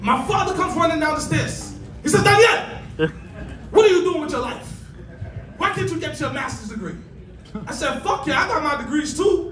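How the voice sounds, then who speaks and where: A man talks at an extremely high pitch in an animated tone, leaving long, frequent pauses. Audible room echo and light background noise surround him. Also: lively intonation. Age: 20s. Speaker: stand-up comedian. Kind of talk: stand-up comedy set, crude, profane, crowd-work riffs and punchlines. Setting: stage with live audience. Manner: animated, brash, rapid-fire banter; confrontational, cursing, talks straight to the crowd. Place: stage.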